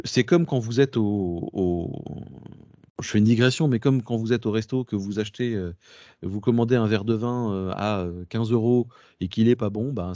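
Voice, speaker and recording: A man's voice: on the low side, dark tone, no echo. A man giving a casual workshop talk to a class, digressive, slangy and chatty. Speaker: workshop presenter. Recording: dull lo-fi dry recording.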